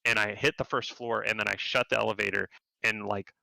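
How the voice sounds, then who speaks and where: Low gravelly guy, bright edge, dry close sound, telling wild work stories in an interview. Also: fairly quick, no room sound, rough recording. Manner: animated, acts out quotes in a higher voice. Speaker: game developer guest. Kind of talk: casual storytelling interview.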